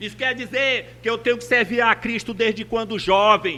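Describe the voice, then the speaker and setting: A man speaks in a raised, projected voice at a high pitch and fairly slow pace. His tone is bright and sharp. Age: 60s. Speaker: pastor. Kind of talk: sermon.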